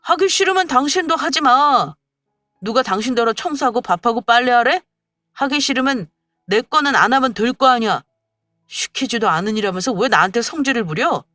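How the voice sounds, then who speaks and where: A woman's voice: on the high side, lively intonation, normal speed, a bit bright, dry recording, pitched above the performer's own voice. Woman voicing young husband, defensive, pleading, story drama, faint music.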